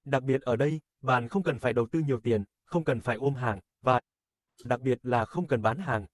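Friendly businessman for a cartoon ad, played by a man: neat, persuasive delivery, mid pitch, very dry recording. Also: moderate pace, no echo, close to an everyday voice. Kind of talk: scripted cartoon advertisement dialogue.

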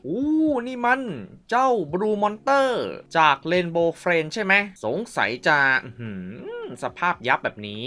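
A man's voice: high voice, big pitch swings, normal speed, few pauses, sharp tone. A man hosts a gaming video with playful running commentary. His intonation swings widely and he exclaims often. He throws in wows and little mouth-made sound effects as he plays.

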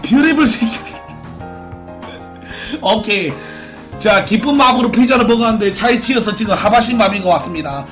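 A man's voice: sits high, expressive, normal speed, pauses often, fairly bright tone, soft background music. A man in his twenties hosting a live stream, reading out viewer posts and giving theatrical announcer-like verdicts in a brash, crude, mocking way. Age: 20s. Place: small indoor room at a computer.

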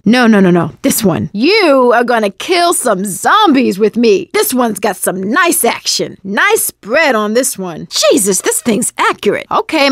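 Sassy, animated young woman survivor. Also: fairly high pitch, dry recording, studio quality, exaggerated voice. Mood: excited, gleeful. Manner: sardonic, expressive. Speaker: video game voice actress. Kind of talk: video game combat barks and quips.

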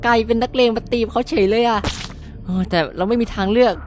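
A woman's voice: a little high, fast, darkish tone, a little hiss or hum, natural voice. A woman voicing a nervous but kind-hearted teenage boy who stammers politely, in a game cartoon. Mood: flustered.

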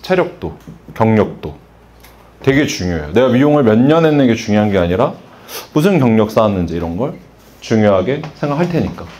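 Animated man lecturing a salon workshop. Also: medium pitch, slight background noise. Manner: animated, asks the audience questions, acts out customer exchanges. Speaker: salon business instructor.

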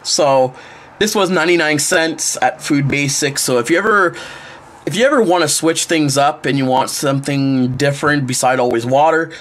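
This is a casual vlog: a young man rambles to a close-held wide-angle camera indoors in his small kitchen and living room, with many fillers. His voice sits on the high side, fairly bright in tone, at normal speed.

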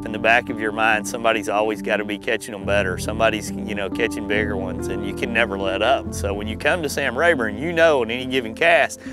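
A man's voice: lowish voice, steady tone, quick pace, few pauses, music in the background. A middle-aged man hosting a fishing show, giving casual, conversational commentary in a folksy way.

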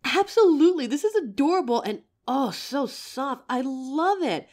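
A woman's voice: sits high, lively intonation, moderate pace, a little mellow. A young woman voicing an anxious, protective female werewolf who stammers and sighs as she talks to her partner. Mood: delighted. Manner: hesitant, stammering, sighing often. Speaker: voice actor in audio roleplay. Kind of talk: audio roleplay for a listener.

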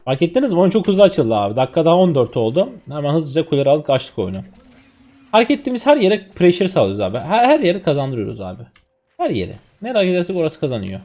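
A man in his twenties from Turkey, a streamer chatting excitedly to viewers while commentating his own gameplay. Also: on the high side, fast. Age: 20s.

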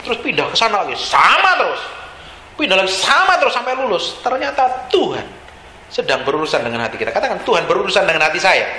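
A man pastor preaching a lively sermon in a casual, slangy way, often quizzing the congregation. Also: sits high, fast, a little hiss or hum. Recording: echoey hall with faint ambience.

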